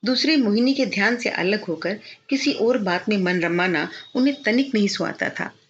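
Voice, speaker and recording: A woman reading a novel aloud as an audiobook narrator, measured and expressive. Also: medium pitch. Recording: slightly dull lo-fi recording.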